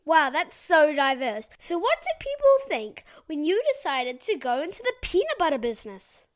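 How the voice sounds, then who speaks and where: A woman's voice: high-pitched, very animated, moderate pace. A woman with a New Zealand accent hosting an interview, reading an earnest scripted intro and asking questions. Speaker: podcast host, interviewer.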